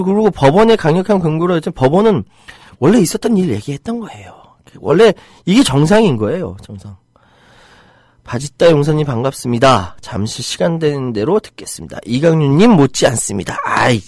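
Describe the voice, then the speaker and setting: A middle-aged man hosts a live internet talk show, reading out listener comments and alternating jokey banter with heated, indignant outbursts about rights. His voice is slightly high with a darkish tone, recorded in studio quality with no room sound.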